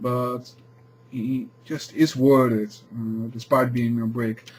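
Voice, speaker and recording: A man with a non-native accent, at a fairly slow pace. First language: not English. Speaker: toy reviewer. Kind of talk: product review. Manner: halting, many fillers.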